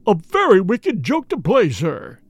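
Storybook butler, played by a male reader: high, lilting, formal, deferential, easily scandalized, dry close recording. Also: wildly swooping pitch, normal speed, creaky, dry recording, exaggerated voice. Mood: flustered, deferential. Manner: formal, servile, punctuated with "sir". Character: impassive male butler, deferential, shocked and proper. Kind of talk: audiobook character dialogue.

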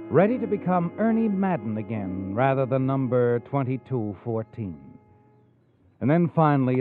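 Man playing a sinister, animated radio crime narrator. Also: mid-range voice, close to an everyday voice. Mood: knowing, taunting. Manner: theatrical, ominous, knowing. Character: sinister all-knowing male narrator of crime tales, taunting. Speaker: host and narrator. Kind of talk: 1940s radio suspense narration. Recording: tinny vintage radio recording, music behind.

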